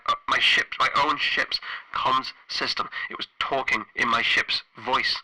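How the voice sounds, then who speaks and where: A man's voice: mid-range voice, sharp tone, rough recording. Man acting a stammering, frightened spaceship engineer over radio. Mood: panicked, dread. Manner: halting, stammering, anxious repetitions. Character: frightened, stranded male spaceship flight engineer recording a log. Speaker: solo tabletop roleplayer. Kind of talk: in-character audio log, improvised horror roleplay.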